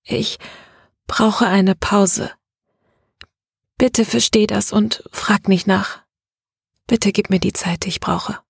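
A woman's voice: mid-range voice, fairly even intonation, slow pace, vocal fry, pauses often, breathy edge, dry recording, clean studio sound, full character voice. A woman reading the part of a troubled, tense young woman who talks in an earnest, hesitant way. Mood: pleading.

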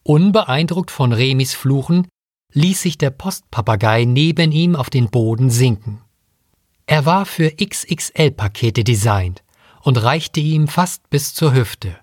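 A man reading a story aloud in scripted narration, with even storytelling. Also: medium pitch, slow, no echo, clean studio sound. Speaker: audiobook reader.

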